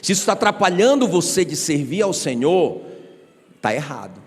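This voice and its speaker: A male pastor preaching a sermon in an animated, conversational way, full of rhetorical questions and joking asides, in a church sanctuary. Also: fairly high pitch, normal speed. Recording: reverberant church hall.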